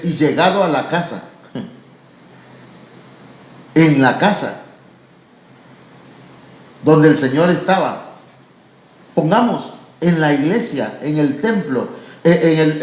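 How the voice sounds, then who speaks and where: A man preaching a sermon as pastor, fervent and often addressing listeners as brother, sometimes rising to loud drawn-out cries. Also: fairly high pitch, echoey room, rough recording. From Mexico. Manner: fervent, repeatedly calling listeners "hermano"; rises to loud, drawn-out cries when acting out pleas. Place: church.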